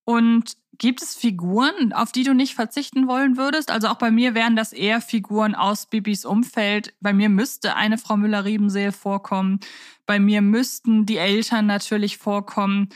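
A woman's voice: mid-range voice, fairly even intonation, normal speed. A woman with a mid-range voice talks as a podcast host. Her style is conversational, and she puts her thoughts in an articulate, reflective way.

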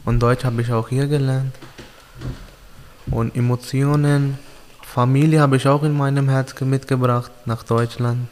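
A young man from Pakistan whose first language is Urdu, answering interview questions in simple, halting learner's German with many pauses. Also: mid-range voice, steady tone, darkish tone, long reverb tail, slight background noise. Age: young adult.

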